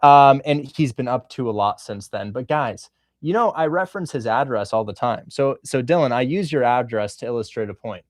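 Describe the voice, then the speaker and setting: A man's voice: mid-range voice, expressive, normal speed, dry recording. Dry-sounding man hosting a live call. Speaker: host, wholesaling coach. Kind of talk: livestream interview.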